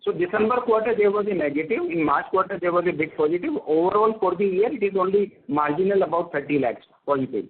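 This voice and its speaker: A man with an Indian accent answering analyst questions as a finance executive on an earnings call, reciting figures haltingly over the phone. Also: high voice, animated. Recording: tinny narrowband conference phone line.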